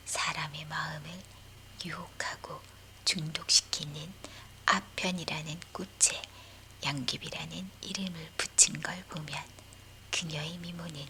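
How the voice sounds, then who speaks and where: A woman whispers a scripted bedtime tale from history. Her breathy, voiceless delivery is low and unhurried, with a bright, sibilant edge. There is a faint wash of noise behind the whisper. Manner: whispering, breathy and unvoiced throughout. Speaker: bedtime story narrator.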